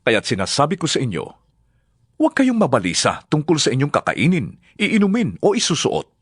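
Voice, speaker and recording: A man with a Filipino accent playing a solemn, earnest religious teacher in a dramatized scripture reading, with measured, declamatory delivery. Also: a little high, wildly swooping pitch, slightly rough, no echo, clean studio sound, heavily acted. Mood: solemn, instructive. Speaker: voice actor.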